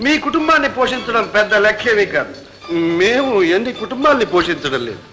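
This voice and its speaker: An indulgent young master in an old film drama. His voice is high and keen-edged, with a drawling, theatrical lordliness. Faint music sits under the soundtrack. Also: sing-song, fast talker, bright, forceful tone, heavily acted. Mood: lordly, teasing. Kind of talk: Telugu film drama acting.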